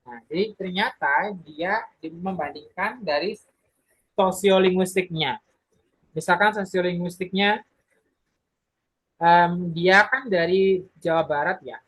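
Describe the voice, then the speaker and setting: A young adult presenter giving a casual explanatory talk to a community group, pausing often with filler sounds and correcting themselves mid-sentence. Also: mid-range voice, fairly bright tone, breathy edge, low-quality recording. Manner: hesitant, many filler sounds and self-corrections.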